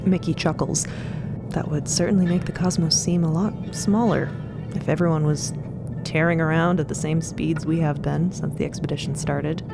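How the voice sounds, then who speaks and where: A woman's voice: deep voice, steady tone, moderate pace, creaky. A woman narrating a fiction podcast and voicing dialogue in a wry, conversational manner. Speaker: narrator and character player. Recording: voice under loud music bed.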